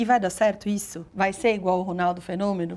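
A woman talks at a moderate pace, captured in a very clean recording with a silent background. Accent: Brazilian. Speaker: sports commentator. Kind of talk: casual sports talk show. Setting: TV studio.

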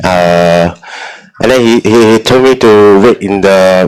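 Over noticeable background noise, a man talks at a very deep, low pitch with ordinary pitch variation. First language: Chinese (speaking Tagalog). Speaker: rescued trafficking victim acting as translator. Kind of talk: testimony at congressional hearing. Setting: hearing room. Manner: halting.

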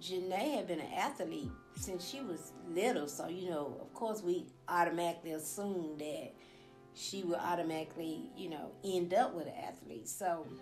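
Over clear music in the background, a woman with a fairly low pitch talks at a moderate pace. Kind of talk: interview answer. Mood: amused, reminiscing. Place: home room. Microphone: camera far.

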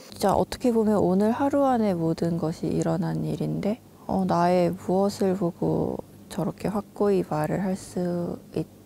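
A woman talks at a fairly slow pace. The sound is dry with no echo, over light background noise. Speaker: dating show contestant. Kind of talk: casual chat. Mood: puzzled, reflective.

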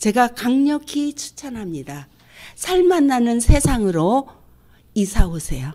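Against a quiet background, a woman with a fairly high pitch speaks at a very slow pace with very wide pitch swings. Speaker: retired teacher turned business lecturer; presenter. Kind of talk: motivational business presentation. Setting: online video broadcast. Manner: animated, enthusiastic. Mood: warm, upbeat, smiling. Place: studio. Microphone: studio mic.

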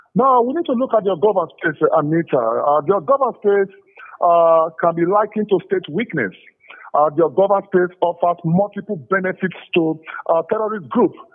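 Moving at a moderate pace, a man speaks in a high pitch with lively intonation. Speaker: security expert. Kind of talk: news interview.

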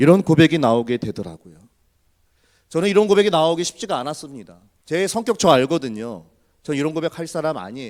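A man with a fairly high pitch talks at a fairly quick pace in an animated tone, with lively intonation and big swings in loudness. He leaves long, frequent pauses, and the recording is very clean with a silent background. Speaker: pastor. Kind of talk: sermon. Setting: church. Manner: fast when nervous.

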